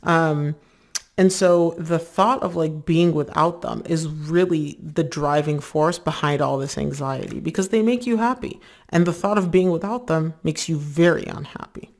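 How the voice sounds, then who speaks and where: Chatty tarot reader with vocal fry. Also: medium pitch, normal speed. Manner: chatty, many filler likes, acts out viewers' inner thoughts. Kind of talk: casual tarot reading to viewers.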